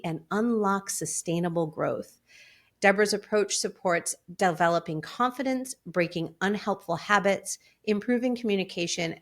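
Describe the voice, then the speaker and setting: A woman co-hosting a podcast, reading an upbeat introduction of the show and its guest. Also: medium pitch. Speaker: podcast co-host. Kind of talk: podcast intro and host talk.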